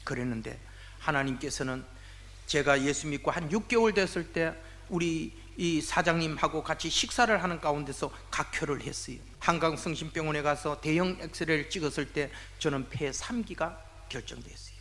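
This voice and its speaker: A man in his sixties, a church elder giving a testimony sermon, telling his story in an animated way and acting out the voices of the people in it. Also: on the high side, moderate pace, slight background noise. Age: 60s.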